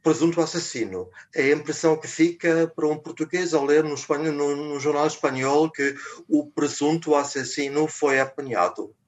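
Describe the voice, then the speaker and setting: An older man, a journalist guest in a radio interview, who talks deliberately and pauses often to search for words. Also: fairly high pitch. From Germany. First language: German.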